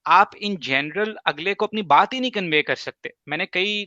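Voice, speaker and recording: A man's voice: high voice, bright, forceful tone, no room sound, lo-fi sound. A man whose first language is Urdu, giving emphatic advice in a casual talk and explaining with examples. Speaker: host.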